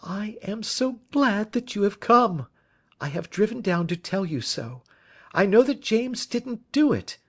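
Earnest young woman, high and imploring, for a storybook reading, with a male narrator putting her on. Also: big pitch swings, unhurried, heavily acted. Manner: urgent, imploring.

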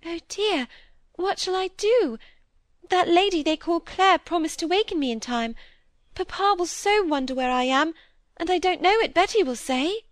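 A frightened little girl pleads in a high, quavering voice that lifts at the end of each line, as a woman narrator takes her part. The sound is close and dry, with no room around it. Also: expressive, normal speed, no echo. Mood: tearful. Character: tearful anxious young girl. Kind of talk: audiobook character voice.

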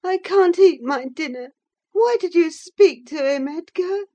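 A woman voicing a bossy, high-pitched girl. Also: lively intonation, unhurried, dark tone. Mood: distressed. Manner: scolding, then contemptuous. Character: bossy, upset teenage girl.

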